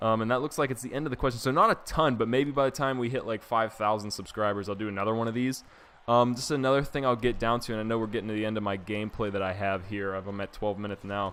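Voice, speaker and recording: Speaking at a very fast pace with an American accent, the voice shows ordinary pitch variation. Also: man. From US, Pittsburgh, Pennsylvania. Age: 20s. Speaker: gaming youtuber. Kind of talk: casual gameplay commentary. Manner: casual, filler-heavy.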